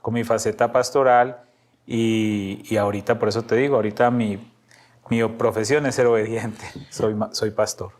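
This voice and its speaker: A man's voice: on the low side, fairly even intonation, moderate pace, darkish tone. A middle-aged man from Medellín with a Colombian Paisa accent, a pastor telling stories of his life in an interview, laughing often and repeating his words. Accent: Colombian Paisa (Antioquia). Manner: laughs often, repeats himself, tells stories with voiced quotes. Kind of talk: relaxed storytelling interview.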